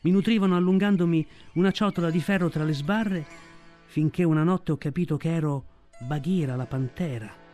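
A man's voice: on the high side, a little fast, a little mellow, soft background music, natural voice. Man voicing Bagheera, tender panther. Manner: tender, grave storytelling tone. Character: black female panther, protective and proud.

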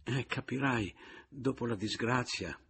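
A male narrator reading the lines of a sorrowful, hesitant young wife, soft and regretful, in an audiobook. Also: mid-range voice, a little slow, vocal fry, slightly rough, pitched above the performer's own voice, heavily acted.

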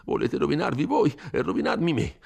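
A man voicing a frightened, fretful old village priest, stammering and pleading in a high, strained voice. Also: big pitch swings, normal speed, vocal fry, husky, heavily acted. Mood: exasperated.

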